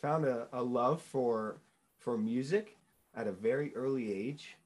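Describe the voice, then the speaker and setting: A young adult man from New England in the United States, a Christian musician, tells his story as a guest on a podcast in a casual interview chat. He speaks earnestly at an unhurried pace, with medium pitch and a darkish tone, full of fillers and restarts.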